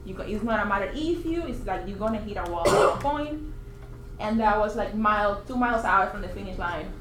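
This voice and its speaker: A woman from Puerto Rico telling a personal story at a team meeting, chatty and animated, acting out quoted remarks. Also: mid-range voice, a little fast. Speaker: interviewed agent. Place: office meeting room. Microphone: far room camera. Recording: echoey room, faint hiss.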